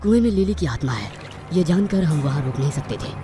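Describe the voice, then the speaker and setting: A man's voice: fairly high pitch, animated, brisk. A man narrating a scripted first-person horror story in a dramatic manner. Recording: loud music over the voice. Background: loud music.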